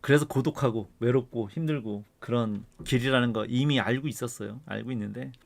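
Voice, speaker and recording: A middle-aged man, an art professor, lecturing casually and switching between heated ranting and quieter asides. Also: mid-range voice, fairly quick, creaky. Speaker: art professor and channel host.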